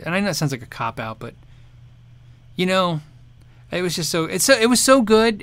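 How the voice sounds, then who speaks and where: A man's voice: a little high, fairly bright tone, no echo. A man hosting a guitar show, chatting casually and answering viewer questions, rambling and restarting sentences and laughing often. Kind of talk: casual live chat.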